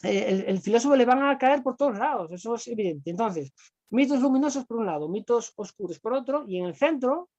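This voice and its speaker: A man's voice: extremely high pitch, animated, brisk, a little mellow, dry recording. A man, a guest explaining philosophy in conversation, who talks on in long runs full of fillers and rhetorical tags. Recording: dull, lo-fi dry sound.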